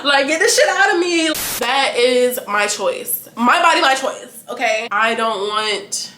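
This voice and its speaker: Bright-voiced young woman, casual and candid. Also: on the high side, a little slow, roomy sound, slight background noise. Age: 20s. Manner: animated, candid, laughing, profane. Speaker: vlogger. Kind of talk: casual chat to camera.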